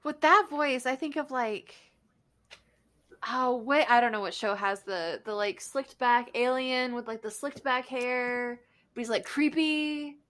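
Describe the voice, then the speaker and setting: A woman's voice: a little high, measured pace, a bit bright. A woman co-hosting a podcast in casual chat, with an informal, playful way of talking. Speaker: podcast co-host.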